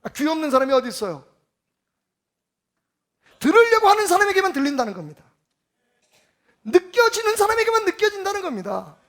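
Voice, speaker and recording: A man giving a Sunday sermon as pastor, emphatic and full of rhetorical questions, swinging between loud and soft. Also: very high voice.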